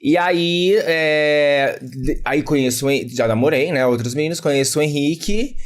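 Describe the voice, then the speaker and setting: A man's voice: a little high, unhurried. A man in his thirties with a São Paulo Brazilian accent, telling his story casually as a podcast guest. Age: 30s.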